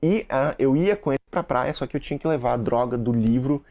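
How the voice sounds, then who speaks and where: Speaking a little fast in a mid-range, darkish voice, this man from Russia teaches the language he grew up speaking and makes content. He addresses the camera casually, using examples and asides aimed at his viewers.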